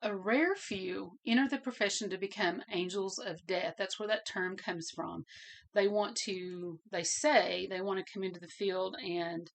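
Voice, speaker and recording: A woman's voice: mid-range voice, fairly even intonation, unhurried. A woman hosting a podcast, talking through her points alone in an earnest way and often repeating phrases for emphasis. She is losing her voice and coughs now and then. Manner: coughs and clears throat. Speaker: podcast host. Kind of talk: solo podcast commentary.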